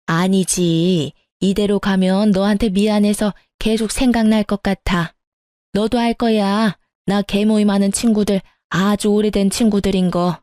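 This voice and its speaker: A woman's voice: mid-range voice, steady tone, measured pace, dark tone, no echo, clean studio sound, lightly acted. A woman voicing a pushy, domineering older mother-in-law who nags and scoffs. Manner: nagging, domineering.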